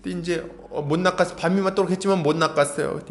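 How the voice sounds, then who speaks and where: A man preaching a sermon as pastor, storytelling with animated, acted-out lines. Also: high-pitched, fast talker.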